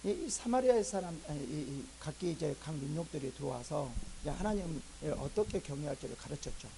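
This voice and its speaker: A man's voice: a little high, animated, fairly quick, gravelly, mellow, a little hiss or hum, poor audio. A male pastor preaching a sermon, repeatedly asking the congregation rhetorical questions and answering them emphatically. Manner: voices God and complaining believers in raised tones.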